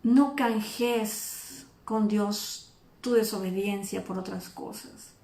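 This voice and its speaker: A woman preaching an informal sermon, animated and acting out the people she speaks of. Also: medium pitch, takes it slowly, creaky, echoey room. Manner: animated, acts out imagined speakers.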